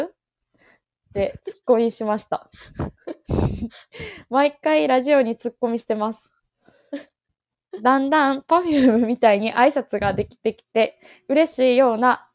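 A woman's voice: fairly high pitch, darkish tone. A woman in her twenties with a Kansai accent, co-hosting a casual podcast over a remote call and reading listener letters with frequent laughs. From Kansai, Japan. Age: 20s. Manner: chatty, laughs often. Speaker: podcast co-host.

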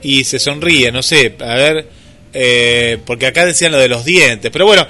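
A man's voice: medium pitch, normal speed, bright, forceful tone, faint music behind. A man with an Argentine Rioplatense accent hosting casual radio chat, thinking aloud with plenty of fillers. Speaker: radio host.

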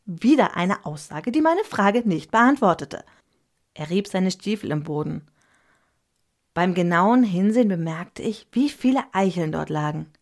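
A woman narrating a scripted story in a gentle, measured storytelling manner. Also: lowish voice, animated.

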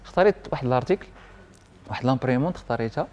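A man's voice: medium pitch, animated, very fast, a little mellow, muffled recording. A young man with a Moroccan Arabic accent telling his story casually, mixing in French words and quoting dialogue as he goes. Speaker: interview guest; printing and IT technician. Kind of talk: casual personal storytelling in conversation.

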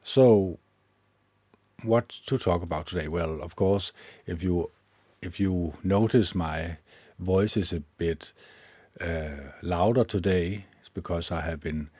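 A man hosting his own podcast, reading a self-help book aloud in a measured way, with occasional slips he corrects himself. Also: low voice, warm tone, husky, no room sound. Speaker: podcast host. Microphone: own microphone with gain up and low cut filter.

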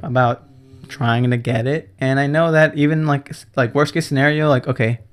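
A man's voice: medium pitch, fairly even intonation, moderate pace, smooth. A man around twenty hosting a solo podcast, talking in a rambling, profane way, often correcting himself and laughing. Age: 20s. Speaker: podcast host. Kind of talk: casual solo podcast monologue.

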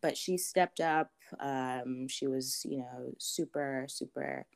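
A young adult woman from Zambia, answering interview questions thoughtfully with many pauses and ums. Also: a bass voice, creaky. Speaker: interview guest.

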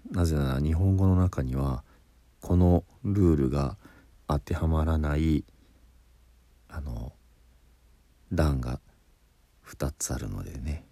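A man's voice: rumbling low, slow pace, pauses often, dark tone, no echo. A man teaching pronunciation in a patient spoken lesson, explaining step by step and demonstrating sounds.

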